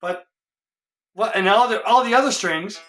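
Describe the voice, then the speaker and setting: A middle-aged man with a hoarse voice, a guitar tech in a casual vlog, puzzled and exasperated as he thinks aloud in his home workshop. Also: high voice, normal speed, fairly bright tone. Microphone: camera a few feet away.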